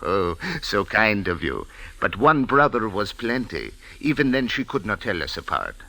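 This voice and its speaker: An actor playing a suave, courteous, guarded Arab hotel manager with formal, measured phrasing in an old radio drama. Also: male voice, lowish voice, sing-song, creaky, sharp tone, no echo, exaggerated voice, rough recording. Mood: gracious. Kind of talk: 1940s American radio drama acting. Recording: old-time radio recording.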